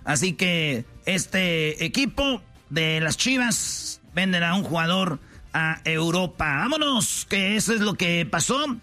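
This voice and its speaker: Mexican guy hosting a sports show, high bright voice, joking around in slang. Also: animated, slow pace, faint music behind. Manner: loud playful teasing, slangy. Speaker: radio sports show host. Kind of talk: joking sports talk banter.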